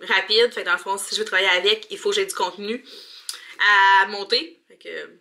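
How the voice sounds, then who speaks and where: A woman's voice: mid-range voice, steady tone, brisk, pushed and bright. A young woman with a Quebec French accent, chatting informally and colloquially to the camera as a vlogger in her home bathroom. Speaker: mom vlogger. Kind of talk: casual vlog chat to camera.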